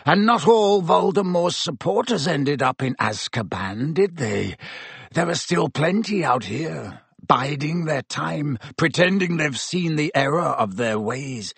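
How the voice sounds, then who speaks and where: Man acting a gravelly, venomous, vengeful fugitive. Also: on the high side, big pitch swings, a little slow, dry recording, exaggerated voice. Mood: menacing accusation. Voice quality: growling, hissing, gravelly. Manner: venomous, mocking, forceful. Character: bitter, vengeful fugitive man, fierce and accusing. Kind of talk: audiobook character acting.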